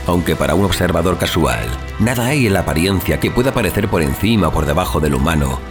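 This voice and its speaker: A man narrating a horror audiobook in a measured, solemn, theatrical manner, as a dramatic scripted reading. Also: low-pitched. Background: music.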